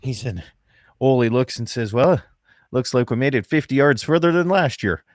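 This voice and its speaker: A man hosting an outdoors radio show from his ranch porch, telling folksy jokes and opening the show in a loud, upbeat on-air voice. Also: mid-range voice, animated, normal speed, no echo, studio quality. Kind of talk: casual chat, then radio show opening.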